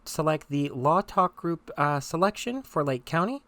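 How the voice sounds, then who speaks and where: A presenter giving step-by-step software tutorial narration in an instructional, conversational manner. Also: medium pitch, lively intonation, moderate pace, dry recording.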